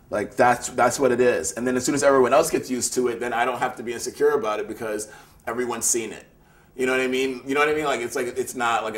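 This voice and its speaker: A man from New City, an artist talking casually and rambling, with lots of filler words. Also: medium pitch. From New York City. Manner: laid-back, rambling, lots of "like". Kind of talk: casual conversational interview.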